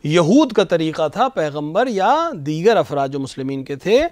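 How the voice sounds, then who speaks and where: A man, a religious scholar on a studio TV show, explaining patiently and slowly reciting phrases to show the right pronunciation. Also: a little high, very animated, a little mellow, no echo. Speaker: religious scholar answering questions. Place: television studio.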